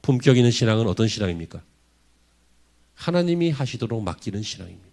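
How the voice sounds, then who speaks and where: Animated male pastor, lively rising and falling pitch. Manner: animated preaching full of rhetorical questions to the congregation. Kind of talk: sermon. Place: church sanctuary.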